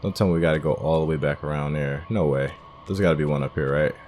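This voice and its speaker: A man's voice: a bass voice, steady tone, quick pace, a little mellow, slight background noise. A man giving casual, unscripted commentary on a video game, thinking aloud and muttering to himself as he plays. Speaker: gamer, video game playthrough host.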